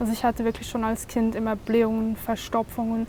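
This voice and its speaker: The woman's voice sits at a fairly high pitch. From Switzerland, canton of Bern. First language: Swiss German (speaking German). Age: 30s. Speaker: guest sharing recovery story. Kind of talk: interview.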